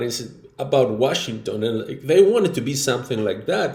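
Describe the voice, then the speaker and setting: A man speaks in an Argentine accent, somewhat breathy. His pitch swings very widely. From Argentina. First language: Spanish. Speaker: video blogger. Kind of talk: personal reflection monologue. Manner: halting.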